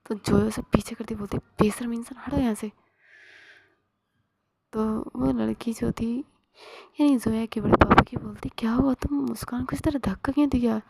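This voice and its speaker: A woman telling a romantic story in whispered role-play, voicing every character herself in a soft husky whisper. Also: fairly high pitch, steady tone, normal speed.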